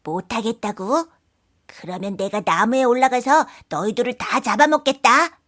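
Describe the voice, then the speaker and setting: Storybook fox, played by a woman, bullying and demanding, hot-tempered, fairly high voice. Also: normal speed, a bit bright, lightly acted. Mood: menacing. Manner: blustering, demanding. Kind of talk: children's folktale character voice.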